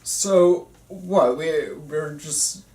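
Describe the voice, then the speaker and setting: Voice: mid-range voice, drawn-out words, mellow. A person reading the lead part in an amateur script table read, casual and conversational with some stammering. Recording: roomy, echoey room.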